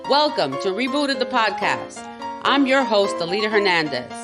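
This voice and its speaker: A woman hosting a podcast, chatty and quick to laugh, stumbling over words now and then. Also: mid-range voice, big pitch swings, music in the background. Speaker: podcast host. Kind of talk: casual interview talk.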